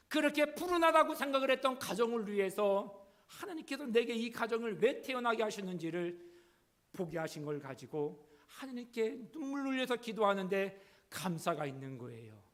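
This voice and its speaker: A middle-aged man preaching a Sunday sermon in a fairly high voice. He delivers it earnestly, swelling in emphasis at key points and posing rhetorical questions to the congregation. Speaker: pastor.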